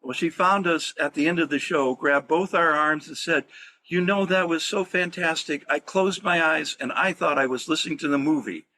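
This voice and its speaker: A man's voice: a little high, moderate pace, sharp tone, poor audio. A man who acts in community radio plays, telling anecdotes in a podcast interview. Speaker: community radio play actor. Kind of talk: podcast storytelling.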